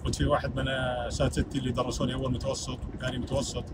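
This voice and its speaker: A young man hosting a livestream from a car at night, talking fast and politely on a phone call. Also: mid-range voice, flat delivery, recorded from a distance, heavy background noise. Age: young adult. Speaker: livestream host. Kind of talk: casual livestream chat. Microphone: phone camera at arm's length.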